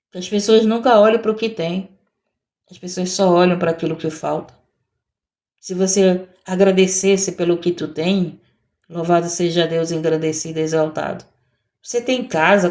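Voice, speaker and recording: A woman missionary preaching a sermon, emphatic and repetitive, often breaking in with praise. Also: fairly high pitch.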